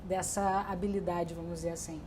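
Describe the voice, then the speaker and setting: A woman's voice: fairly low pitch, level tone, a little fast, background noise. Reflective woman recalling her youth. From Brazil. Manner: reflective, with frequent restarts and fillers. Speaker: interviewee. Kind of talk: oral history interview.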